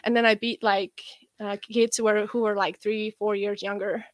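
A woman's voice: medium pitch, normal speed, no echo. Young Estonian woman, dry close sound. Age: young adult. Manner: relaxed, rambling, frequent fillers. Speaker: guest athlete. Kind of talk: casual interview chat.

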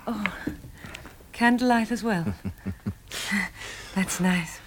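An actress playing a wistful, playful, well-bred young woman novelist in a 1960s radio drama, hesitant and expressive. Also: medium pitch, drawn-out words, slight background noise. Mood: bright, shy.

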